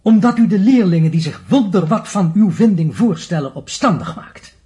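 A haughty, authoritarian school director in a radio drama. He speaks in a pompous, commanding and scornful way, clipping his phrases and swinging his pitch widely for emphasis. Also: animated, normal speed, mellow. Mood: stern, irritated. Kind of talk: Dutch radio play acting.

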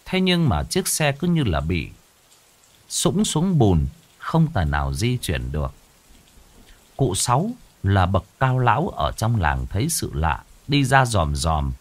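A man narrating a folk horror story in a dramatic, expressive way. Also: lowish voice.

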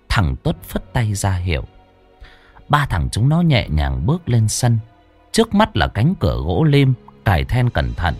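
A man's voice: lowish voice, dry recording. A man narrating a ghost story in a dramatic storytelling manner. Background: faint background music.

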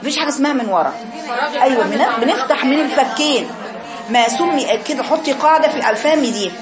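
Egyptian woman, recitation teacher in a classroom, high-pitched, corrects students, models slow chanted syllables. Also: a loud crowd. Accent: Egyptian Arabic. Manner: corrective, repeatedly demonstrating drawn-out chanted syllables.

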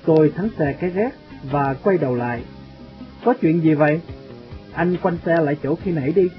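A man narrating a first-person story in a lively storytelling manner. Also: on the high side, fairly quick. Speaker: audiobook narrator. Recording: dull lo-fi audio, faint music.

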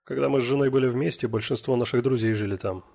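Brief: wry middle-aged male criminalist, husky, matter-of-fact, read by a narrator. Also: medium pitch, quick pace, a little mellow. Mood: reminiscing.

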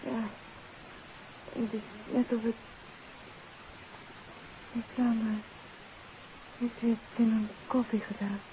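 High-voiced anxious young woman. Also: little pitch movement, takes it slowly, pauses often. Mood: drowsy. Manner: hesitant, defensive. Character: guarded, anxious young woman under questioning. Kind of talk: 1950s Dutch radio drama acting. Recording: hissy old phone-like radio recording.

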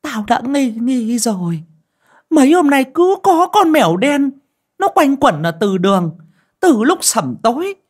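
Woman voicing a shrill scolding old aunt. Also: breathy edge, full character voice. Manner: shrill, berating, superstitious scolding. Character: harsh scolding older woman, clan head's wife.

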